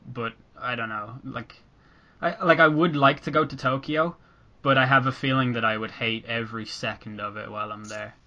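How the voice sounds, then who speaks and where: Bright-voiced young man, rambling podcast chat. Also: medium pitch, steady tone, lo-fi sound. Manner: rambling, halting, dark humor. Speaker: podcast host. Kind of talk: casual chat.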